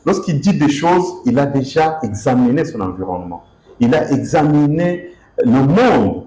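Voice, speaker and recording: Speaking at a normal pace in a mid-range voice, this Kinshasa man from DR Congo responds to an interviewer in his role as an author. His delivery is emphatic and expressive, packed with fillers, restarts and repetition, captured roughly in an echoey room.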